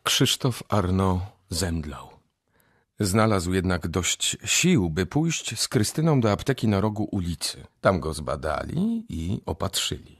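A man's voice: sits low, very animated, unhurried, slightly rough, dry recording, clean studio sound. A man narrating a radio drama in a dramatic, scripted storytelling style. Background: music.

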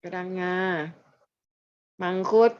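A woman teaching a language lesson over a video call, asking questions, chiding quiet students and then answering her own questions. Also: slow, dry recording. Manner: chiding students who stay silent, asking questions and answering them herself. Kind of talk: online class lecture. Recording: dull lo-fi dry audio.

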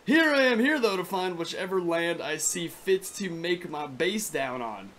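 A young man from California with a raspy, sore throat, giving excitable, foul-mouthed gameplay commentary. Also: high voice, normal speed, a little hiss or hum. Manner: excitable, swears freely. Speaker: gaming YouTuber.

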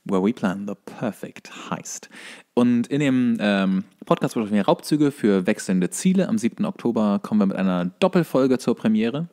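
A man's voice: lowish voice, expressive, normal speed, warm tone. A man chatting casually as a podcast host, in a joking, self-deprecating way.

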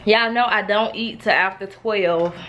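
A woman in her twenties rants casually to camera in a chatty, unfiltered vlog, speaking straight to her viewers as she films on a handheld phone, first at home and then in her car. Her voice sits at a medium pitch, slightly bright, and she talks a little slowly. The audio is poor, with some faint background noise.

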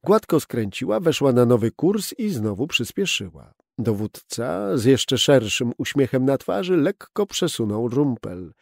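A man narrating an audiobook in a steady, expressive storytelling manner, recorded close up in a studio booth. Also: mid-range voice, a little slow, vocal fry, no echo. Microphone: close studio mic.

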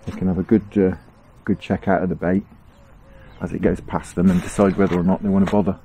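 A deep, fast voice with vocal fry belongs to a middle-aged English angling vlogger fishing outdoors by a river. His running commentary is laid-back self-talk, chatty and full of chuckles, recorded with outdoor ambience and faint noise.

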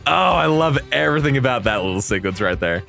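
Animated young man reacting. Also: medium pitch, quick pace, vocal fry. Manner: enthusiastic, animated, slangy. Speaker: video game content creator. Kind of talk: casual reaction commentary. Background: game trailer music.

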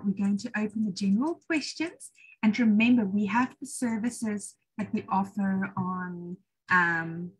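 A woman's voice: mid-range voice, slightly rough, rough recording. A middle-aged South African woman, an English trainer, answering questions on a video call in a chatty, encouraging way. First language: English or Afrikaans. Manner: chatty, encouraging, self-deprecating. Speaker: IELTS trainer hosting a webinar. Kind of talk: webinar Q&A answers. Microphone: laptop video call.

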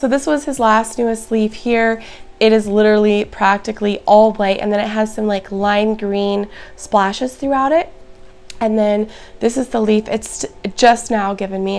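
A woman chatting casually to her viewers in a plant vlog, her voice hoarse and raspy. She is upbeat and talks to the audience directly. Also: medium pitch, darkish tone. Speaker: plant vlogger. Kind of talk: casual show-and-tell vlog.

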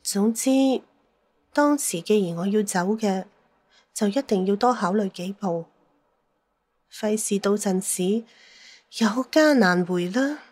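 A woman's voice: mid-range voice, animated, slow pace, long pauses, darkish tone. A woman playing a shrewd, jealous, sentimental middle-aged mother in an audio drama, with plaintive, theatrical sighs. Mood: solemn. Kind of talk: Cantonese audio drama acting.

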